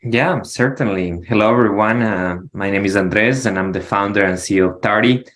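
Lower-voiced man telling stories. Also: a little fast. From Ecuador. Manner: relaxed storytelling with soft chuckles. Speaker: guest, company founder. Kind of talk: casual podcast interview.

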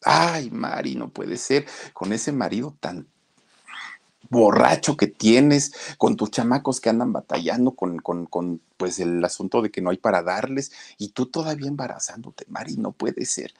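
A man's voice: mid-range voice, lively intonation, measured pace, creaky, husky, heavily acted. A man doing a blunt village neighbor. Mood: scolding.

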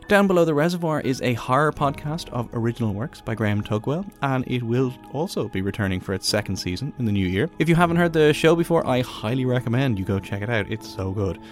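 Man, podcast host, scripted outro, informal, appreciative, animated pitch. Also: quick pace, few pauses, soft background music.

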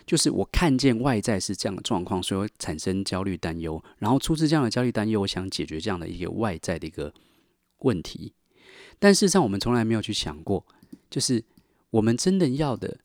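A man's voice: fairly low pitch, dry recording, studio quality. A male life coach giving a teaching talk, telling a parable and often posing rhetorical questions that he then answers himself.

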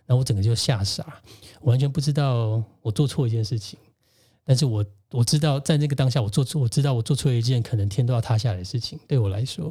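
A man, a podcast guest and co-host gently telling a personal story in casual conversation. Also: mid-range voice, fast. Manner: reflective, gentle, recounts childhood memories.

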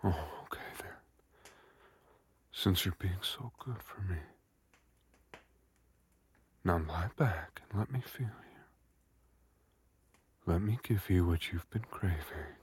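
Breathy low-voiced man whispering slowly. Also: dry recording. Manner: soft breathy whisper, coaxing and teasing. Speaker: audio roleplay performer. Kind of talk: whispered intimate audio roleplay.

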